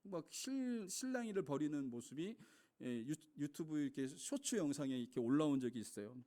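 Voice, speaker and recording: A man's voice: fairly high pitch, animated, brisk, warm tone. A male pastor delivering a sermon, earnest and emphatic, repeatedly addressing the congregation. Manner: earnest preaching, rising to emphatic peaks, addresses congregation as "여러분".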